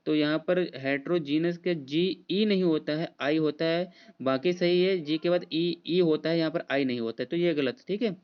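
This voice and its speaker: Man, exam prep teacher, spells words letter by letter, fairly high pitch, dull muffled recording. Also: clean tone. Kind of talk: spelling quiz walkthrough.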